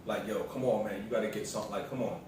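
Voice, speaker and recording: Casual American male vlog co-host, slangy storyteller, mid pitch, heavily reverberant room with clear background noise. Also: steady tone, racing. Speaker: vlog co-host, the vlogger's partner. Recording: roomy echo, distant mic, noisy background.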